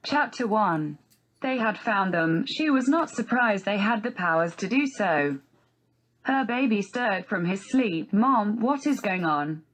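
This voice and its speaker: A synthetic text-to-speech woman's voice reading a novel aloud as scripted narration, with a flat synthetic delivery. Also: medium pitch, slight background noise, rough recording.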